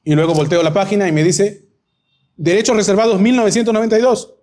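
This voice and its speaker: A man's voice: high-pitched, fairly even intonation, fast, a little mellow. A man preaching a Bible-teaching sermon, emphatic and full of rhetorical questions.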